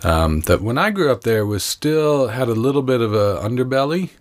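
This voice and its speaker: A man from Connecticut, a guest, telling stories of his childhood in a relaxed, rambling way with many fillers, recorded in a trailer. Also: medium pitch, normal speed. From Connecticut, USA. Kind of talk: casual storytelling interview. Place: trailer with wind and flags outside.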